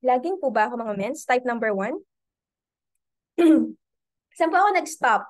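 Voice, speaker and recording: A young woman with a Filipino accent teaching a team in an online training call, animated and full of tag questions. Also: on the high side, measured pace. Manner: animated, code-switching, asks many tag questions. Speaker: business mentor. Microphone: video call.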